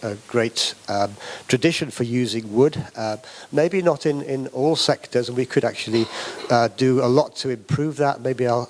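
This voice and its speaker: A man's voice: medium pitch, a little mellow. A middle-aged British man from the UK giving a public talk as an academic speaker, with many fillers and restarts. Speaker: academic speaker on wood construction.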